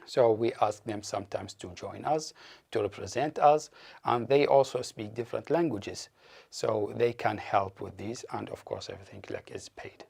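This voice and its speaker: A man whose native language is Arabic, answering interview questions in a halting way with many fillers. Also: fairly low pitch, creaky, a little mellow, slightly rough. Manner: hesitant, many fillers and restarts. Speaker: staff member at a refugee support organization.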